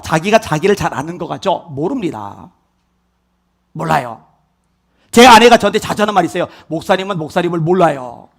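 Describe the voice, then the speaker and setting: High-voiced Korean man preaching with sudden swings. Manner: swings from loud emphatic preaching to quiet intimate asides. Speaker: pastor. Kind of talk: sermon.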